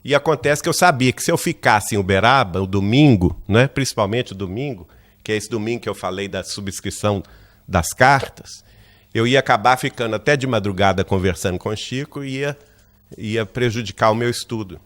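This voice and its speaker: A man from Minas Gerais with a Brazilian Portuguese accent, giving a lecture at a spiritist center. He tells a personal story in a lively way and acts out the lines of the people in it. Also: lowish voice, a little fast. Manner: lively narrator who acts out quoted dialogue, often asks "né?".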